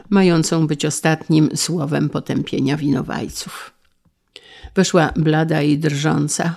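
Low, gravelly woman narrator. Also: a little mellow. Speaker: audiobook narrator. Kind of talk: dramatic novel reading.

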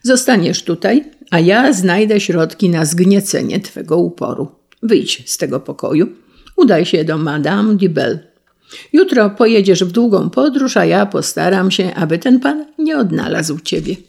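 A reader voicing a stern, threatening old prince who commands loudly, with a gravelly, husky voice. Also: medium pitch, animated, measured pace, full character voice. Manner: commanding, raised voice.

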